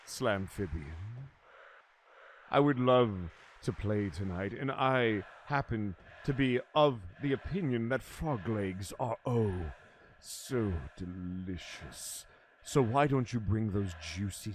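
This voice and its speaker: A man's voice: lowish voice, a little hiss or hum. A man playing a menacing, self-pitying wrestling villain, delivering a promo monologue like a hammy, melodramatic stage actor. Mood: taunting relish.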